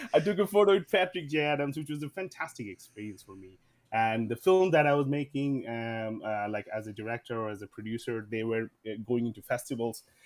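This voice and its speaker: A man of medium pitch talks at a fairly quick pace with lively intonation. His loudness swings widely. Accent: Bangladeshi. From Bangladesh. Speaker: VFX and animation production manager. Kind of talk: casual interview chat. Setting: live stream video call. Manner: halting with many repetitions.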